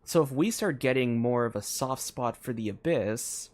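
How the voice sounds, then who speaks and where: A man's voice: medium pitch, animated, normal speed, darkish tone. Casual young male game streamer, thinking aloud. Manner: rambling, thinking aloud, filler-heavy. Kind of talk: casual live commentary on a game.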